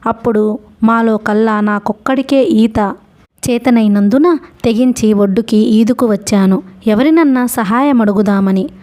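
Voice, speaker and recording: A woman's voice: a little high, a little slow, a little mellow, close to an everyday voice. Woman reading as an earnest young boy. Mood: pleading. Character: resourceful young boy, quick fibber.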